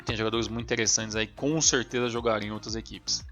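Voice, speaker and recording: A man's voice: lowish voice, steady tone, fast talker, a bit bright, soft background music. A man co-hosting a podcast, chatting casually about football, rambling with many fillers and restarts. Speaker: podcast co-host.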